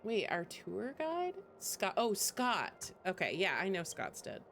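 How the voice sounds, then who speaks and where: A woman's voice: medium pitch, huge pitch swings, takes it slowly, noisy background. A woman chatting casually and informally as she plays a game, rambling a little as she goes. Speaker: game streamer. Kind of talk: casual chat over gameplay. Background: faint game music and dialogue.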